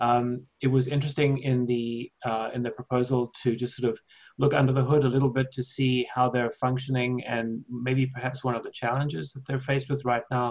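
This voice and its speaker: A man's somewhat breathy, monotone, flat voice at a fairly quick pace with hardly any pauses, against a quiet background. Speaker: panelist. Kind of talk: spoken application review at a meeting. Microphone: video call.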